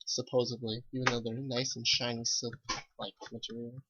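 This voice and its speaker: A man's voice: medium pitch, level tone, moderate pace, lo-fi sound, noisy background. A man reading fan fiction aloud as a co-reader, casually joking about it as he goes.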